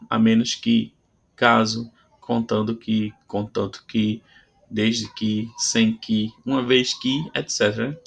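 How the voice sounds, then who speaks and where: Gravelly Brazilian man teaching grammar. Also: mid-range voice, fairly bright tone. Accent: Brazilian Portuguese. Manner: explanatory, repeats examples with frequent "tá?" checks. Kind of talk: grammar lesson explaining to viewers.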